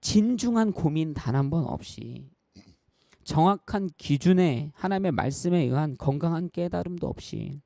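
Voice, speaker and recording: A pastor in his thirties delivers a sermon in an earnest, conversational way, speaking straight to the congregation and weaving in stories from his own life. His voice sits a touch high for a man, with a gravelly, fry-tinged edge and a mellow, dark tone. The sound is dry and close, with little room echo. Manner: addresses the congregation directly and repeatedly. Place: church.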